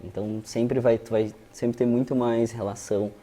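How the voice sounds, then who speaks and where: A man's voice: medium pitch, steady tone, moderate pace, dark tone. A man, a talk show guest explaining at length in an easygoing way. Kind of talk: casual talk show conversation.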